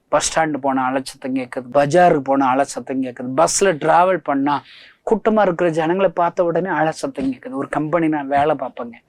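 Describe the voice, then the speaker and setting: A man preaching a testimony sermon, swinging from soft to loud and pleading as he asks his listeners direct questions. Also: fairly high pitch, no echo, clean studio sound. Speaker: preacher and ministry founder.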